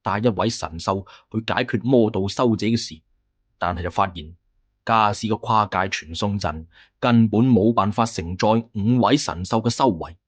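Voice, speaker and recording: A man with a Cantonese accent narrating a fantasy novel in a dramatic, scripted audiobook style. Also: lowish voice.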